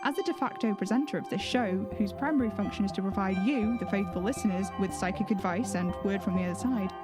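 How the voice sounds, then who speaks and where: An actress playing a wry, apologetic radio presenter of a psychic advice show, speaking in formal, wordy sentences. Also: female voice, mid-range voice, fast talker, over music, natural voice. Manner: formal, wordy, self-deprecating. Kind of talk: fictional radio show monologue.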